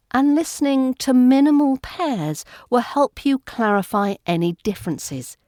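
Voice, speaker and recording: A woman with an RP British accent, giving a scripted lesson as an accent coach, speaking in a clear, carefully enunciated way. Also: medium pitch, a little mellow, dry recording, clean studio sound. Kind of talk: scripted teaching narration.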